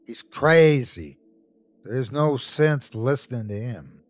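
Large hostile tavern man, performed by a male narrator: gruff, stern, scornful, barking orders, audiobook story. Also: medium pitch, slow, no room sound, close to an everyday voice. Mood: stern, dismissive.

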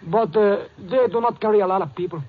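An actor playing an excitable, polite Mexican homesteader with a halting Mexican accent, in 1950s radio drama style. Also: male voice, sits high. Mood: eager, deferential. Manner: halting broken English peppered with Spanish. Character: excitable, polite Mexican nester with a beloved burro. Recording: muffled, noisy old radio recording.

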